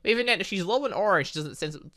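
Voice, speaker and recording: A gaming video host giving excitable, rambling let's play commentary, often breaking off mid-sentence with mild exasperation. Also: medium pitch, rapid-fire.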